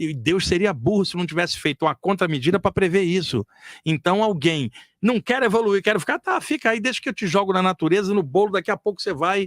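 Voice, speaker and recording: An animated, high-pitched man's voice with lively intonation, dry and close with no echo, on a very clean recording with a silent background. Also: fairly quick pace. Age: 60s. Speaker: spiritual teacher and medium. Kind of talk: interview.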